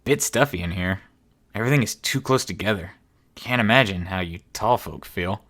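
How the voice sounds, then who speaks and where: A woman's voice: very deep voice, normal speed, a bit bright, voice pushed down. A woman voicing a practical, level-headed male halfling thief who speaks matter-of-factly.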